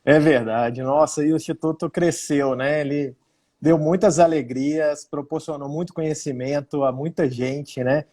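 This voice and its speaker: A man from Minas Gerais in Brazil, a judge and law professor, chatting as a guest in a live video interview and laughing often. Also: on the high side. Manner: relaxed, unhurried, laughs often.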